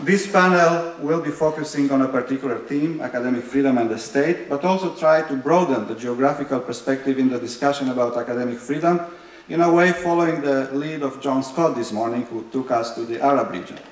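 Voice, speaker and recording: A man from Romania introduces an academic panel from a podium. His voice sits at a middle pitch, and he speaks in a measured, hesitant way with many fillers and touches of dry humor. The sound carries the echo of a large conference hall. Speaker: panel moderator; higher education policy researcher.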